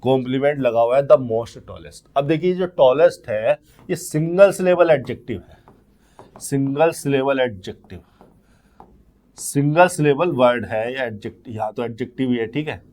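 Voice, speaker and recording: A man's voice: medium pitch, a little mellow. A man giving an exam-prep grammar lesson, who explains step by step and asks and answers his own questions. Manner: slows right down to read out example sentences word by word. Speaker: English grammar teacher.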